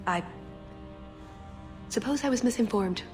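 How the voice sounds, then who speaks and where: A woman's voice: on the high side, measured pace, darkish tone, lightly acted. Woman acting a wry, guarded elf assassin. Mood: apologetic. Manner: hesitant, apologetic. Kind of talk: video game voice acting. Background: game music.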